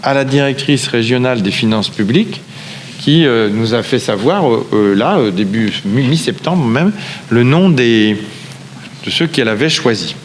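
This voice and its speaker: A man's voice: medium pitch, animated, moderate pace. A man chairs a council meeting, explaining formally with hesitant, repeated phrasing. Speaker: local official chairing a town council meeting. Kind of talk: formal council presentation, semi-improvised. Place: large echoing meeting room. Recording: reverberant hall, background noise.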